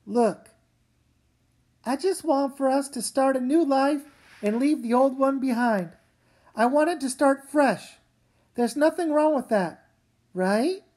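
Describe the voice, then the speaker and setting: A woman voicing a weary, gently firm mother with a measured, reasoning manner in a comic read-aloud. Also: high voice. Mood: pleading.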